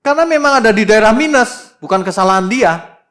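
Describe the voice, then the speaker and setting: A middle-aged male pastor preaching a sermon in an animated, teasing way, putting questions to the congregation and reading scripture slowly and dramatically. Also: high voice.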